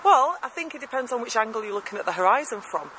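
Woman, 40s, candid street interviewee, bright tone, outdoor handheld mic. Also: a little high, very animated, quick pace, a little hiss or hum, poor audio. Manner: candid, laughing, defensive. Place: outdoors on a riverside footbridge. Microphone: handheld mic held by interviewer.

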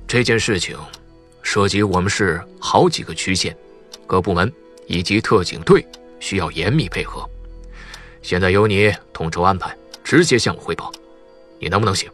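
A man's voice: sits low, lively intonation, moderate pace, fairly bright tone, faint music behind. A man playing an authoritative senior police chief who gives formal, commanding orders in an audiobook. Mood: grave, commanding.

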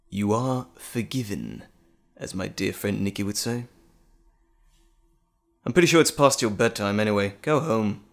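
A man playing a menacing, teasing monstrous alter ego in a dramatic audio roleplay, theatrical and mocking, drawling with dramatic pauses. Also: fairly low pitch, vocal fry. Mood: mocking, condescending.

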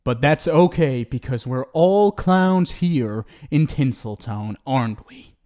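Man acting obsessive talk show host, slow and unhinged. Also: mid-range voice, dark tone. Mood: mocking, sweet. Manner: cooing, theatrical, swinging between sweet pet names and pleading. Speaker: audio roleplay performer. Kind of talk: ASMR roleplay acting.

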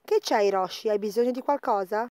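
A woman's voice: mid-range voice, fairly quick, darkish tone, no echo, close to an everyday voice. A woman playing a young, caring and practical older sister in a cartoon fandub. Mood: hospitable.

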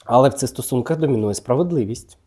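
A man with a warm, mellow voice gossips casually while he reads cards. His talk is chatty and teasing, and he often turns to address the celebrities directly. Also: medium pitch, quick pace, husky. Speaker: gossip channel host reading tarot cards.

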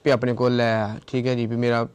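With a clear, resonant, mid-range voice, level tone, and quick pace, an ashram caretaker from Tarn Taran district, Punjab, argues insistently. The confrontational on-location video shows him repeating his points and quoting phone conversations.

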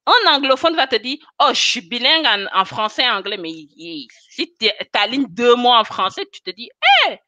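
A woman's voice: a little high, animated, normal speed, few pauses, bright, forceful tone, no room sound, dull audio. A woman in her thirties, a chemist and cosmetics consultant, talking animatedly as a guest on a video call interview and laughing often. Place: small room indoors. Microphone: webcam on a video call.

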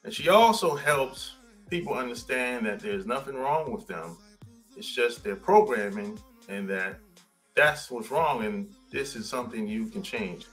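A man's voice: mid-range voice, animated, measured pace, a bit bright, faint music behind, poor audio. A man hosting a conversational podcast interview over a video call. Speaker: podcast host. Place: small home room indoors.

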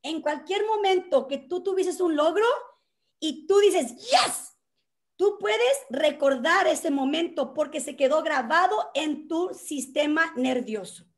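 A woman's voice: sits high, animated, measured pace. A woman hosting a motivational workshop at home, talking energetically and mixing English words into her Spanish. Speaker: workshop host.

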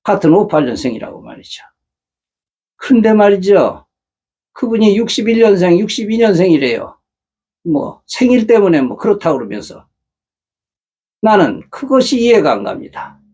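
In a casual monologue, the middle-aged host of a matchmaking agency channel lectures viewers earnestly, leaning on rhetorical questions. He speaks at normal speed in a high, very animated, slightly rough voice with a dark tone and long pauses, and the highs are cut off.

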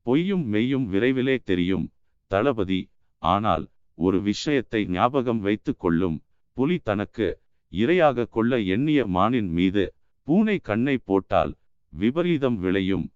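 A man's voice: fairly low pitch, expressive, a little slow, darkish tone, smooth, no room sound, highs cut off. Sly menacing monk, read by a man. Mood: grave, warning. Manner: mocking, then grave and commanding.

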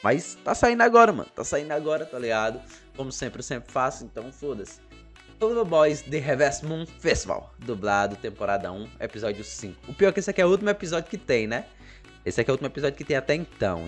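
A man's voice: mid-range voice, sing-song, fast, fairly bright tone, soft background music. A man in his twenties with a Brazilian accent giving casual, slangy, sweary reaction commentary into a close mic. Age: 20s. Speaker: reaction video host. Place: small home room. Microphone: microphone on a desk arm, close.

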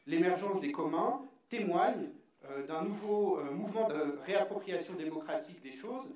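A man on a panel reading out an academic talk in a measured way, with a few fillers. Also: high voice, expressive, a little mellow. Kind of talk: read academic presentation. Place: large hall on a stage. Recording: very echoey hall from far off.

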